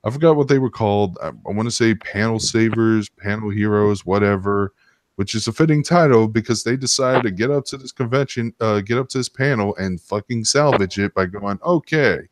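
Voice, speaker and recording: Male stream host, lower register, loose profane storytelling, dry recording. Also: brisk, no room sound. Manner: rambling, profane. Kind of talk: casual storytelling chat.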